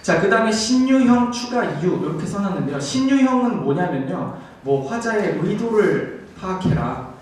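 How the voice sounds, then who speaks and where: A man's voice: high voice, expressive, moderate pace, a little mellow. A man teaching a TOEIC class, explaining step by step and often checking in with his students. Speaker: TOEIC instructor. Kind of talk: classroom lecture. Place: classroom in a language school. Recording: echoey classroom, distant camera mic, faint hiss.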